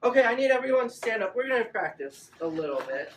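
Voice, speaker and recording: A fairly high-voiced woman leads a children's Bible class with playful, coaxing energy. She is heard from a distance in a roomy, echoing space with a faint hiss underneath. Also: big pitch swings, fast talker. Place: large echoey room with a group of children. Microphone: camera at a distance. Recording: roomy echo, recorded from afar.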